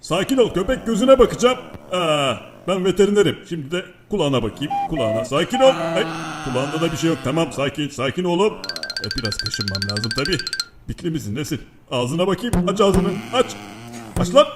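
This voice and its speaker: A man's voice: a little high, very animated, brisk. A man voicing a brash, foul-mouthed male house cat who curses and exclaims at everything. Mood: bossy. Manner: cursing, jumpy, exclaiming. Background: music.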